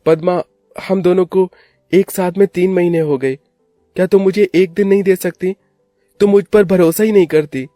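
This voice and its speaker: A man voicing a smooth-talking young lover in a cartoon, coaxing and persuasive. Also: sits high, fairly even intonation, normal speed, dark tone, no room sound, faint music behind, pitched above the performer's own voice, natural voice.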